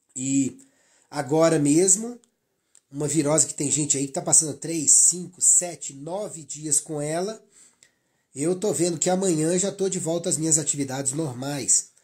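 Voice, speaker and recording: A man's dark, mellow voice at a fairly high pitch, with ordinary pitch variation and a fairly slow pace, on a very clean recording with a silent background. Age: 40s. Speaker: physician answering health questions. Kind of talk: live Q&A stream.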